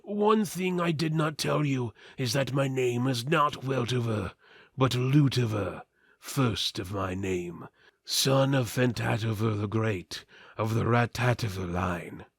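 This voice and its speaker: A man voicing a dying, solemn prince in a fantasy story, weak and halting in a dramatic way. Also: mid-range voice, gravelly, breathy edge, no echo, clean studio sound, full character voice. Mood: solemn confession. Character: dying noble prince, frail, solemn, secretive companion.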